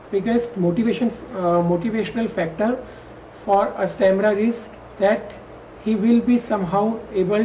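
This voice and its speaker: Woman interviewee, stammers on first syllables, hesitant, soft dark tone, mic set back from her. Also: medium pitch. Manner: hesitant, many fillers and restarts. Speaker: stammering workshop participant. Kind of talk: interview answers. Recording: distant mic with faint background noise.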